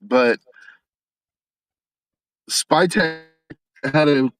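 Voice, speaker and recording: A man's voice: fairly high pitch, extremely slow, music in the background, rough recording. A man talking casually about sports as a radio co-host, calling in on a cell phone whose connection keeps breaking up. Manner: conversational, with frequent fillers.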